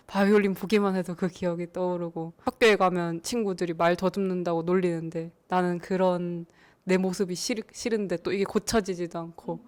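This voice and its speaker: A woman voicing a hurt, resentful young teenage son who speaks softly and haltingly. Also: clear, resonant tone, close to an everyday voice. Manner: soft, low, hushed and halting.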